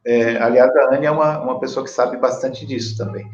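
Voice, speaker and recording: A man with a Brazilian accent hosting a conversational interview in a deliberate, hesitant, rambling way. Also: mid-range voice, fairly even intonation, darkish tone, slight background noise. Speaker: interview host. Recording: echoey room, dull lo-fi audio.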